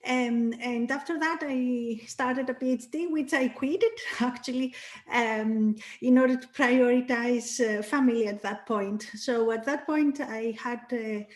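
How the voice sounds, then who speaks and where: A woman's voice: on the high side, measured pace, darkish tone. A woman from Greece, an assistant professor, introducing herself on an online panel with light laughs and hesitant fillers. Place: video call.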